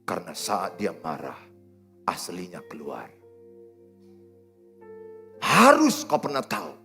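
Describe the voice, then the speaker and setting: Animated preaching man. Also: slow pace, creaky, faint music behind. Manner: animated preaching, swinging between loud exhortations and quiet, low asides. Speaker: pastor. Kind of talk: sermon. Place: church hall with congregation.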